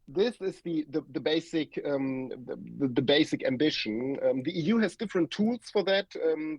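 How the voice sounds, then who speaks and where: A man from Germany with a German accent, a native German speaker, explaining as an expert guest in a measured, hesitant way. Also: medium pitch, a little mellow, breathy edge, dry recording. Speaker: guest academic expert, professor. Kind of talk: explanatory interview talk. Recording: dull, lo-fi remote connection.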